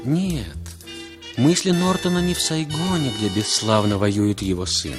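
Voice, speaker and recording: Male radio play narrator, slow and lively in pitch, loud music underneath.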